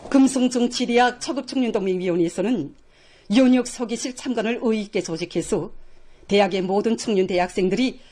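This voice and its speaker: A woman's voice: medium pitch, fairly quick, dark tone. A woman with a North Korean accent reads formal scripted television news in a solemn, reverent, declamatory manner.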